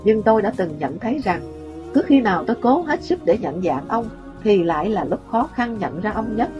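A woman calmly reading a first-person story aloud as an audiobook narrator. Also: mid-range voice, normal speed, music in the background.

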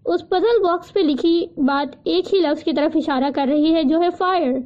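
An eager, determined young woman voiced by the woman narrator talks in an urgent, insistent way. Her voice is high, and the audiobook recording sounds dull and lo-fi.

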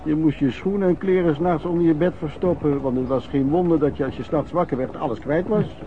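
An actor playing an old vagrant in a radio drama, reminiscing in a colloquial, halting way and repeating words. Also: male voice, on the high side, natural voice. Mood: earthy reminiscing. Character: old vagrant recalling wartime lodging-house life, earthy storyteller. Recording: muffled old radio recording, background noise.

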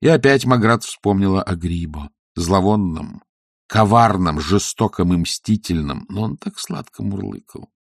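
A man reading a novel aloud with wry, expressive storytelling. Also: deep voice, measured pace, gravelly, dry recording, studio quality. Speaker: audiobook reader. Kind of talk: scripted narration.

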